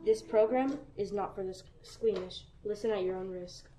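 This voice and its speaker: A woman's voice: medium pitch, moderate pace, dark tone, close to an everyday voice. Girl doing a menacing Man in Black host. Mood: ominous. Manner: menacing, theatrical, snaps at crew. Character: sinister Man in Black, theatrical male host. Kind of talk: student radio play acting. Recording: music bed behind voice.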